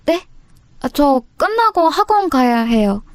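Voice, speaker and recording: A woman's voice: sits high, sing-song, a little slow, dry recording, clean studio sound, soft background music, voice pushed up. A woman voicing a frightened teenage schoolgirl who speaks in a timid, pleading way.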